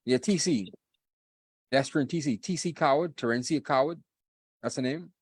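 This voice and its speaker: A man's voice: medium pitch, moderate pace, husky, dry recording, clean studio sound. A man co-hosting a live podcast, chatting casually, laughing often and repeating "okay, okay.". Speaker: podcast co-host.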